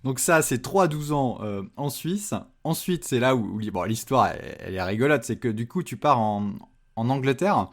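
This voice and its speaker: A man hosting a podcast, asking relaxed, jokey follow-up questions in a casual way. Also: mid-range voice, moderate pace. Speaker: podcast host.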